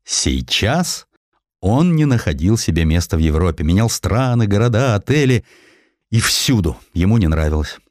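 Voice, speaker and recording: A man reading a historical essay as a dramatic audiobook narrator, with expressive, theatrical emphasis. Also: lowish voice, moderate pace, dry recording, studio quality.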